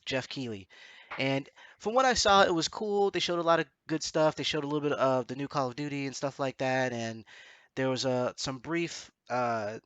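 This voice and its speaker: Male host, bright forceful voice, slightly stuffy nose, rambling casual chat, very dry recording. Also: mid-range voice, moderate pace, clear, resonant tone, dry recording, lo-fi sound. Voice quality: congested nose from allergies. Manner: hesitant, self-correcting, rambling. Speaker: podcast host.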